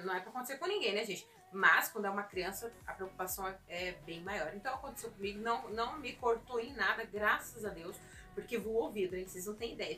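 Brazilian woman vlogger, bright and chatty, phone-recorded at home with faint music under it. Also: mid-range voice. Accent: Brazilian Portuguese. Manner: chatty, talks straight to viewers with many asides. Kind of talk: casual home vlog chat. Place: apartment at home.

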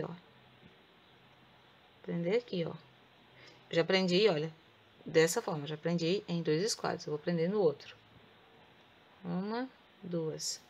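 Woman, Brazilian Portuguese accent, crochet teacher, soft-spoken, sore throat, slow delivery, counts stitches aloud. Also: lowish voice, creaky, slight background noise. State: sore throat, cannot speak loudly. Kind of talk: step-by-step craft tutorial.

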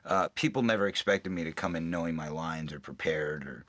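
A man, an actor looking back on making a film in a relaxed interview, chatty and quick to laugh, acting out what others said. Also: a bass voice, soft background music. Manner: chatty, laughs often, acts out quoted people.

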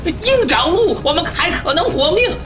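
Brave little dragon leader for a kids radio show, really high n bossy, music behind. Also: female voice, normal speed. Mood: urgent, commanding. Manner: urgent, commanding, energetic. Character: bold, decisive young dragon team leader. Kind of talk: children's radio drama acting.

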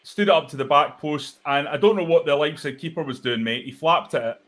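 A man in his thirties, hosting a live football reaction show from home over a video call, excitable and chatty with a croaky voice. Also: fairly high pitch, a little fast. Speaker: host. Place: home room, indoors. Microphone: webcam video call.

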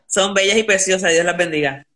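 A woman's voice: mid-range voice, a little fast. A middle-aged woman co-hosting a live stream over a phone video call, passing on viewers' comments and adding blessings. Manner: warm, blessing-filled remarks, relays viewer comments. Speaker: co-host. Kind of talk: casual live-stream interview.

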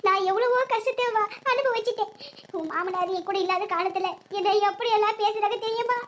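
A woman's voice: very high-pitched, brisk, a bit bright, a little hiss or hum. A woman doing a grieving southern Tamil grandmother. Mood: earnest advice. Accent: southern Tamil Nadu. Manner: lamenting, advising. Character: grieving older village mother-in-law, stern.

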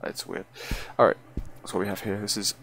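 A man's voice: on the low side, level tone, a little fast, fairly bright tone. A man giving casual first-impressions commentary on a game, musing aloud hesitantly and often trailing off. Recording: clearly noisy recording.

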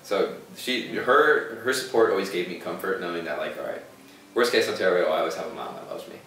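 A man's voice: sits low, brisk, fairly bright tone, slight background noise. A young man hosting a casual podcast, hyped and profane with bro slang. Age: young adult. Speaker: podcast host. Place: living room with couch. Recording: echoey room, mic far off.

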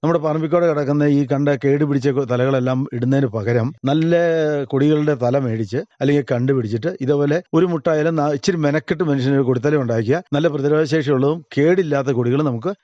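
A middle-aged farmer from Kerala, answering interview questions in a plain, casual way and pausing to search for words. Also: male voice, mid-range voice, warm tone, no echo. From Kerala, India. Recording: dull lo-fi radio recording.

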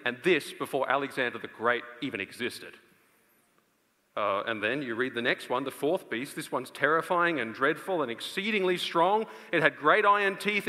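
A man's voice: fairly high pitch, sharp tone. A man in his thirties preaching from a stage in an emphatic, explanatory way, posing rhetorical questions as he expounds scripture. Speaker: preacher, conference speaker. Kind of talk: expository Bible lecture to a live audience. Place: stage of a large auditorium. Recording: reverberant large hall.

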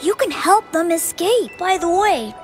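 A woman's voice: very high-pitched, expressive, a little slow, over loud music. A woman voicing a mysterious white cat spirit who guides the player, with a coy, secretive, teasing manner.

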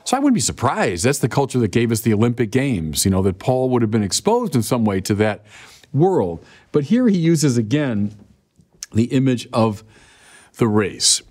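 Animated older man preaching a sermon. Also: mid-range voice, normal speed. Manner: animated, conversational preaching with direct appeals. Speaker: bishop. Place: dim indoor studio.

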